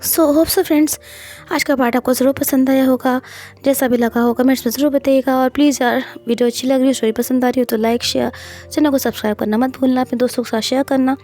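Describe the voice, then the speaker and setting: A woman's voice: high-pitched, fairly even intonation, fast talker, dark tone, soft background music. A woman storyteller narrating her own fan fiction in a chatty, friendly way.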